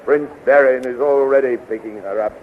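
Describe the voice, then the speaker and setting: A man's voice: medium pitch, steady tone, moderate pace, narrow, tinny audio, natural voice. An actor playing a boisterous, regal king of winged men in a 1930s radio serial, grandiose and hearty, on a scratchy old recording. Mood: hearty, fatherly.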